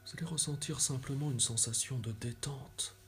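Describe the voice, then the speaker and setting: A man guiding a relaxation meditation in a soft, soothing, measured way, giving instructions with pauses and slightly breathy phrase endings. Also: mid-range voice, faint music behind. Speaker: yoga nidra guide.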